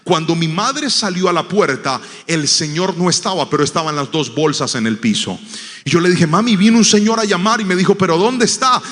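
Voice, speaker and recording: A man preaching a sermon. He tells a story, dropping to a hush and then rising to loud, emphatic declarations. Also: high-pitched, fairly quick, in a large hall. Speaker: pastor.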